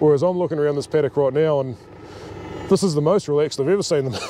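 A man talks very fast with a New Zealand accent. Light background noise sits behind him. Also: dry sound with no echo. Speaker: sheep and beef farmer. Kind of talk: casual chat. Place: open country.

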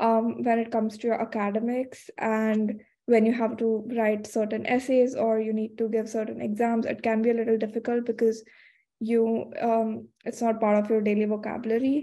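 With little pitch movement, a dark, mellow tone carries along at a moderate pace. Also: woman, fairly high pitch for a woman.

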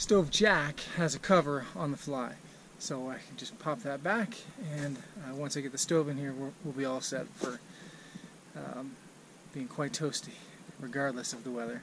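Against noticeable background noise, a man talks at a moderate pace with ordinary pitch variation, big swings in loudness and long, frequent pauses, in a dry sound with no echo. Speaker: outdoors gear reviewer. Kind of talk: tutorial. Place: tent. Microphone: phone near.

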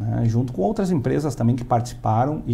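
Over light background noise, a man talks in a somewhat breathy voice with a dark, mellow tone. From Rio Grande do Sul, Brazil (Cruz Alta); Rio Grande do Sul, Brazil. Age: 40s. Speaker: education business director; interview guest. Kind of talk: interview. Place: studio. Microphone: lapel.

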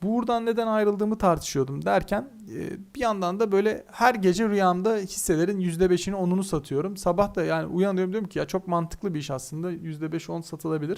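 A man's high-pitched voice at a moderate pace, with ordinary pitch variation and hardly any pauses, on a very clean recording with a silent background. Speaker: finance YouTuber, stock investor. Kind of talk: live stream casual commentary. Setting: live stream from home computer. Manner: hesitant, many fillers.

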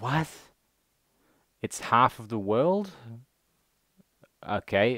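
Dry with no echo over a quiet background, the voice is bright and sharp, swings very widely in pitch, and moves very slowly with long, frequent pauses. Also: man. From England. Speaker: language learner youtuber. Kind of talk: casual talk to camera. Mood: confused, puzzled in reactions.

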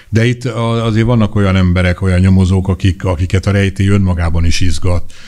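A man's very deep, low voice at a fairly quick pace, with fairly even intonation and very even loudness. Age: 70s. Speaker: retired police detective. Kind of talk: interview. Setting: studio. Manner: halting. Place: studio. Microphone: studio mic.

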